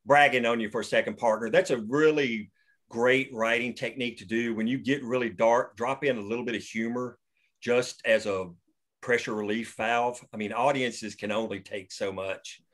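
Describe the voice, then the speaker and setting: A man's voice: mid-range voice, steady tone, moderate pace, fairly bright tone. A man hosting a table read discussion, rambling and opinionated as he goes off on tangents over a video call. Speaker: writer and host of the table read. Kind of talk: casual discussion.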